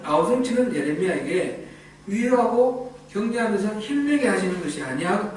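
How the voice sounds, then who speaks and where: A high-pitched male pastor delivers a conversational sermon, acting out quoted lines as he goes. His voice is caught from a distance in a very echoey church hall. A faint room ambience sits behind him. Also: a little hiss or hum. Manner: conversational preaching, acts out quoted dialogue. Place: church sanctuary.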